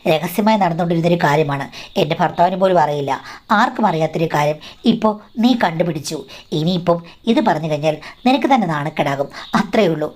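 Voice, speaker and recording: A woman's voice: on the low side, a little mellow. A woman narrating a scripted first-person story in a confiding way, addressing the listener as madam.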